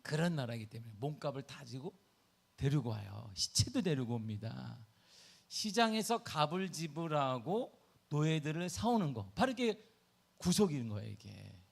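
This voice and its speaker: A man preaching a sermon to his congregation, animated, asking them questions and answering himself. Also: fairly high pitch, gravelly. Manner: sings hymn lines slowly in the middle of talking. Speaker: pastor. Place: church sanctuary.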